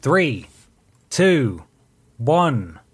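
A man's voice: medium pitch, sing-song, extremely slow, slight background noise. A man co-hosting a podcast, joking around and leading the countdown in casual banter. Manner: jokey, leads the countdown. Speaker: podcast co-host.

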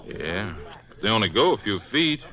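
An actor playing a down-to-earth small-town Texas sheriff in a 1950s radio western, folksy, clipped and plain-spoken. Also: male voice, fairly low pitch, sing-song, moderate pace, sharp tone, poor audio. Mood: businesslike.

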